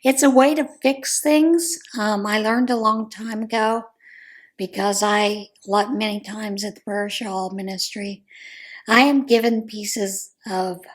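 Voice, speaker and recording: Hoarse American woman, casual crochet vlogger, rambling and conversational. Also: medium pitch, steady tone, a little slow. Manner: chatty, rambling, with frequent ums. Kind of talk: casual chat.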